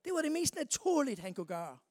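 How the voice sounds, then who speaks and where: Again reading scripture in a sermon, the preacher alternates hushed passages with loud, forceful emphasis and keeps posing rhetorical questions to the audience. Here the voice is high with big pitch swings, captured cleanly in a studio with no echo.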